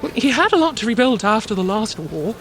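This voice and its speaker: A woman's voice: a little high, big pitch swings, brisk, a little hiss or hum. An actress playing an anxious, cautious female palace servant in an audio drama. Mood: worried. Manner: fretful and wary.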